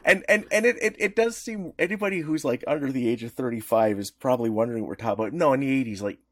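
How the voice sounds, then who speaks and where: A man's voice: medium pitch, animated, rapid-fire. A man co-hosting a podcast, talking casually in rambling, restarting sentences. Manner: rambling, lots of likes and restarts, laughs often. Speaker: podcast co-host. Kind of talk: casual chat.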